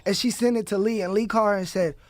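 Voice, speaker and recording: A man's voice: high-pitched, fairly even intonation, rapid-fire, no room sound. A young man, a writer, recounting stories eagerly in a casual chat. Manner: eager, laughing retelling with quoted voices. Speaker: TV writer guest.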